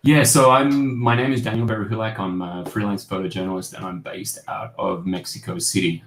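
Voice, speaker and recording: A man, a guest photojournalist talking over a video call, reflective and rambling with many fillers. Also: deep voice. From Australia. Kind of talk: casual interview storytelling. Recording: roomy home-office echo.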